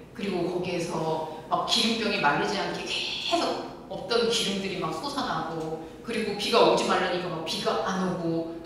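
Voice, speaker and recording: A woman's voice: medium pitch, a bit bright. A woman pastor preaching a sermon, telling the story with animation and asking the congregation questions. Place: church sanctuary. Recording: echoey hall from far off, faint room noise.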